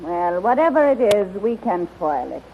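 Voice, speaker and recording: A woman's voice: on the low side, sing-song, moderate pace. An actress playing an imperious, short-tempered queen in a 1930s radio serial, with a haughty, formal, commanding delivery. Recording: dull, noisy 1930s radio recording.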